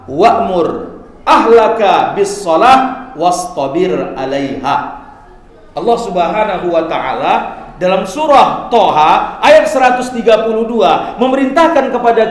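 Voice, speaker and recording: A man giving a Friday sermon in a mosque, slowing down for drawn-out Quranic recitation. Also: high voice. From Indonesia. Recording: echoey mosque hall.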